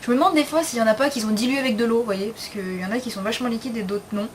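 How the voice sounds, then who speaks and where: A woman's voice: a little high, rapid-fire, a little hiss or hum. A young woman talking casually in a beauty haul video, chatty and frank, with slang and many fillers. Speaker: beauty vlogger.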